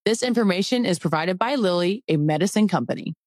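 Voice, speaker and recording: Woman, lower voice, calm measured ad read, dry close sound. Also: no echo. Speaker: commercial voice-over. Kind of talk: scripted ad read.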